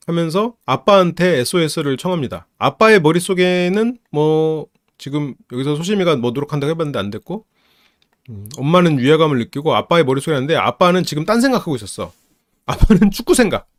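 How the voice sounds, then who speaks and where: A man hosting a psychology channel, casually analyzing a film, lively and laughing often as he acts out characters' lines. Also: a little high, fast, no room sound, clean studio sound.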